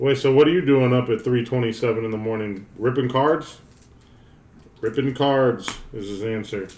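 Audible room echo follows a man who speaks fairly slowly with ordinary pitch variation. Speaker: card breaker livestream host. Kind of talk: casual live card break. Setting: live stream video. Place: studio.

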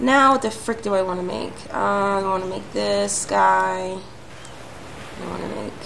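A woman talks at a fairly slow pace with long, frequent pauses, big swings in loudness and audible room echo. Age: 30s. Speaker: gaming YouTuber. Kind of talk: gameplay commentary. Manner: animated.

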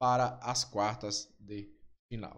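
A man speaks against a quiet background. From Brazil. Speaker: football YouTuber. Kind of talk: casual vlog commentary. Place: home room. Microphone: studio mic.

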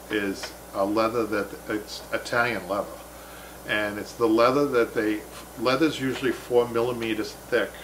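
A man with an American accent talks at a moderate pace. His intonation stays fairly even over light background noise. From Massachusetts. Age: 60s. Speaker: upholsterer and show host. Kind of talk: casual live chat. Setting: online live stream from workshop. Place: workshop.

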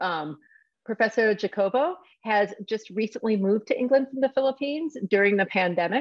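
A plain, everyday voice with ordinary pitch variation, dry sound with no echo, and a quiet background. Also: woman. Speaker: academic center director and moderator. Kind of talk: webinar moderation. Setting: video call. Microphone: video call.

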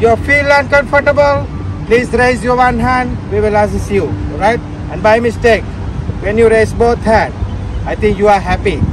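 A man with a high voice speaks at a moderate pace, the sound dry with no echo but with noticeable background noise. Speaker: boat tour guide. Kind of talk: safety briefing to passengers. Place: boat. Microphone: camera far.

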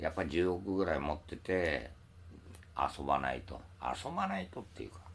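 Vocal fry runs through a man's very deep, low voice, with ordinary pitch variation. He keeps a moderate pace, his loudness swinging widely. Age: old. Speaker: live streamer. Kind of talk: livestream chat. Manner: rough casual. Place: home room. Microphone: studio mic.

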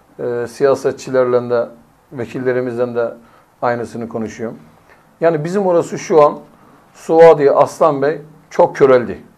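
Pitch moves in an ordinary way as the words come at a moderate pace. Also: man. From Turkey, Kartepe, Kocaeli; Turkey. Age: 40s. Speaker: village headman and association president; talk show guest. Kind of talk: interview. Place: studio. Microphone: lapel.

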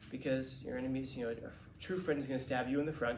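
A man talks at a fairly quick pace with audible room echo and light background noise. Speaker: teacher. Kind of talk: lecture. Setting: classroom. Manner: stutters, repeats words. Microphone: camera far.

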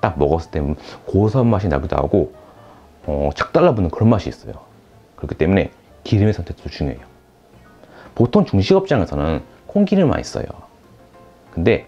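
A man talks at a fairly quick pace in a fairly low pitch. Faint music plays in the background. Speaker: cooking channel host. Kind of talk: tutorial. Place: kitchen. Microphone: lapel.

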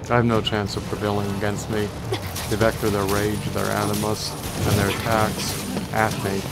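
A man talks at a moderate pace with music playing in the background. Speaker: gamer streamer. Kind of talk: gameplay commentary. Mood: resigned, deadpan. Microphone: earbuds.

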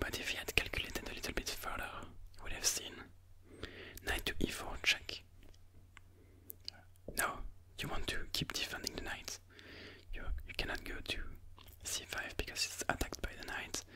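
The speaker is whispering. Long, frequent pauses break up the speech. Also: moderate pace. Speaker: chess explainer. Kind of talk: ASMR chess game walkthrough. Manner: whispered. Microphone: studio mic.

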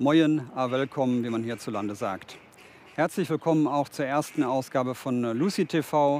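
Moderate pace and ordinary pitch variation from a man, dry with no echo, over light background noise. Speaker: tourism host. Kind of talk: broadcast presentation. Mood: upbeat, welcoming. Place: waterside. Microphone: headset.

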